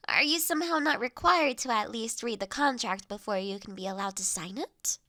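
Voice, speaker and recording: A woman playing a polite, gentle human lady in an intimate audio roleplay, speaking formally and courteously with soft hesitations. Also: on the high side, no room sound, clean studio sound. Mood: curious, puzzled. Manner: courteous, formal wording, softly hesitant with pauses.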